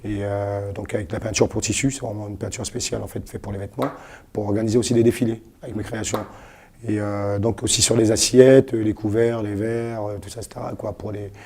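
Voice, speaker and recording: A man talks fast in a low, warm, dark voice, full of fillers and self-corrections. He is a guest artist on a small web TV studio set, speaking casually in an interview. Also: flat delivery, husky. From Cameroon. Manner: hesitant, many fillers and restarts.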